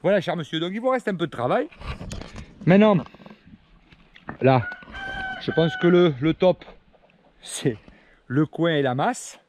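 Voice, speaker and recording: A man's voice: fairly high pitch, very animated, unhurried, pauses often, a little mellow. A man in his forties, a tree surgeon vlogging to camera outdoors in a rural garden, chatty and joking with viewers and clients. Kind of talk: casual vlog talk to camera. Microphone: action camera held at arm's length. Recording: faint outdoor background noise.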